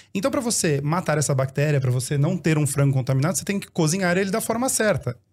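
Over background music, a man talks at a very fast pace with hardly any pauses. His pitch is fairly high and his intonation lively. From Guarujá, São Paulo coast, Brazil. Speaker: chef and food consultant. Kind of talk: casual podcast conversation. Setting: studio.

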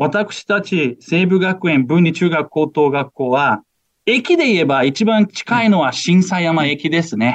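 A man speaks at a fairly slow pace in a high pitch with lively intonation, the sound dry and close with no echo. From Brazil. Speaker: school principal. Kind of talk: interview.

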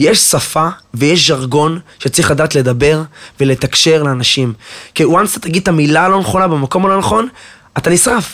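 Lively in intonation and fairly high in pitch, a man speaks in an ordinary speaking voice. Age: 30s. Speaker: marketing director. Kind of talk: interview. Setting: studio.

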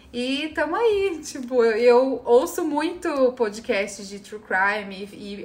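A woman talks with lively intonation. Noticeable background noise is present. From Minas Gerais, Brazil (small town near Varginha). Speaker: content creator and YouTuber. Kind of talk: casual chat.

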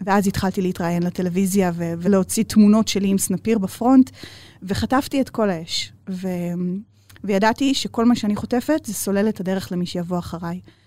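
A woman's medium-pitched voice with a dark, mellow tone, ordinary pitch variation and a moderate pace. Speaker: professional mermaid. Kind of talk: interview. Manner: animated.

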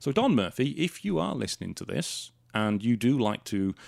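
On a very clean recording with a silent background, a speaker with a Welsh accent uses lively intonation. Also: man. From South Wales. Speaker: podcast host. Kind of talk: solo monologue storytelling. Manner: halting, frequent repetitions.

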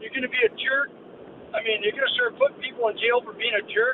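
Speaking with an American accent over noticeable background noise, a man uses an extremely high pitch and lively intonation. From northern Minnesota. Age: 60s. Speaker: caller. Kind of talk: casual chat. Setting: phone call.

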